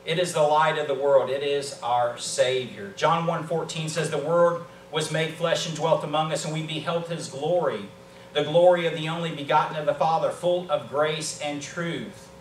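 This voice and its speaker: A man in his fifties with an American accent preaches a sermon earnestly, with emphatic pauses and repetition. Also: a little high, steady tone. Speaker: pastor. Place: small church sanctuary, indoors. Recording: roomy, distant mic with background hum.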